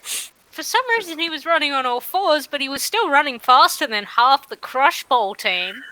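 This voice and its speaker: A woman voicing an aggrieved teenage adventuring-school student in a tabletop game, complaining earnestly and haltingly. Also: high voice, lively intonation, noisy background. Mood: indignant.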